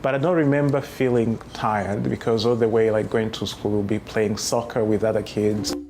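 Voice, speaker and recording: A man in his thirties from Rwanda, recounting his life story in a reflective, unhurried way with many fillers. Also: on the low side, fairly even intonation. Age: 30s. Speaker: memoir writer telling his life story. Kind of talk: personal testimony. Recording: music playing underneath.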